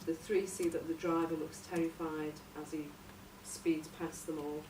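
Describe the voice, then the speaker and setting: A woman informally pitching a story outline in a tentative, halting way, searching for her words. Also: little pitch movement. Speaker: workshop participant presenting a radio drama outline. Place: echoey room, recorded from a distance. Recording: roomy, distant mic, noisy background.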